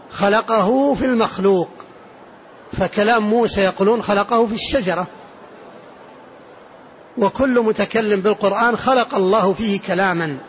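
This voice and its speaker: A sheikh with a rather high voice gives a religious lesson on a classical text. He speaks in a measured way and repeats his main points. The recording is muffled and lo-fi, with a faint hiss underneath. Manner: deliberate, repeats key phrases for emphasis. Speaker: sheikh teaching a creed text.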